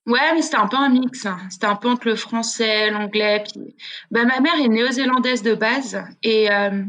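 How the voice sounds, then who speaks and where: A woman's voice: mid-range voice, fairly bright tone. A woman from Switzerland, a podcast guest, telling stories in a chatty, slangy way with many restarts. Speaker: guest, freestyle skier. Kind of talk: casual podcast chat.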